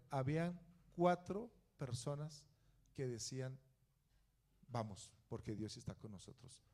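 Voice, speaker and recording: A man's voice: a little high, a little mellow. A male pastor, preaching a sermon with rising fervor and rhetorical questions.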